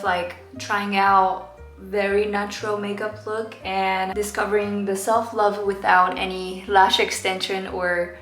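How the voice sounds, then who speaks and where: A woman in her twenties from Japan, speaking English with a Japanese accent in a soft, relaxed way while talking through a makeup tutorial. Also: mid-range voice. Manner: soft-spoken, relaxed, many fillers. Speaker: makeup vlogger and dancer. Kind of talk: casual makeup tutorial talk. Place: home bathroom, indoors. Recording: roomy bathroom echo.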